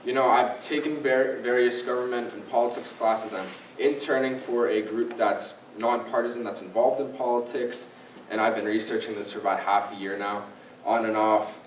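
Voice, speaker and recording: A man's voice: mid-range voice, steady tone, normal speed. Teenage man lecturing in an echoey room. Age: late teens. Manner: explanatory, casual fillers, signposting. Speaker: guest speaker. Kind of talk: informal talk with explanations. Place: library event room. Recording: echoey room, distant mic, faint noise.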